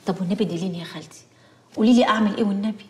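An actress with an Egyptian accent playing a devoted, anxious young wife who pleads emotionally. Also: female voice, medium pitch, rapid-fire, close to an everyday voice. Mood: pleading. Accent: Egyptian Arabic. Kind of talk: TV drama acting.

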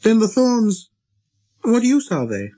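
A man voicing an earnest, persistent little boy prince in a storybook, with a high, light, childlike voice and an insistent way of talking. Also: huge pitch swings, slow, mellow, full character voice. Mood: insistent, questioning. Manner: insistent, questioning.

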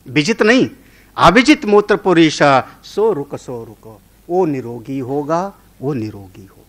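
A man, a Hindu spiritual teacher, giving a conversational sermon on scripture. He tells homely stories and often checks in with his listeners. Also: medium pitch.

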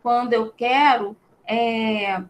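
Brazilian lady teacher, patient, keeps going "né?", slightly high voice. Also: fairly even intonation, extremely slow, slight background noise, poor audio. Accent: Brazilian Portuguese. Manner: patient, checks in with frequent tag questions. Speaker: schoolteacher. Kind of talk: online class lecture.

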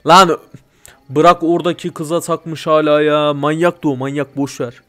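A man doing let's play commentary, joking and bursting into loud mock-angry swearing. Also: a little high, little pitch movement, a little slow. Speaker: gameplay commentator.

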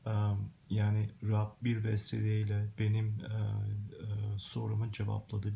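Low monotone man, halting broken Turkish. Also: creaky. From Germany, born and raised. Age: middle-aged. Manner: halting, broken Turkish of a long-time emigrant, searching for words. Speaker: Christian testimony video maker. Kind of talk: personal religious testimony to camera. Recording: hissy home recording with clicks.

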